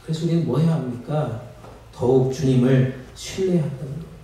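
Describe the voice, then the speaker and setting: A man's voice: medium pitch, fairly quick, warm tone. A man preaching a sermon as pastor, calling out to the congregation and rising to emphatic peaks. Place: church sanctuary. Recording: echoey sanctuary, mic at a distance.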